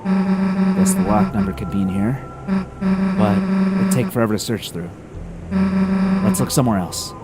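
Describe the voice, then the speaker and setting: A man voicing a brash, rough-talking monster girl from a game, blunt and swearing. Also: medium pitch, sing-song, over loud music. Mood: gruff, puzzled. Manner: blunt, swears, slow gruff delivery. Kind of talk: voicing game dialogue on stream.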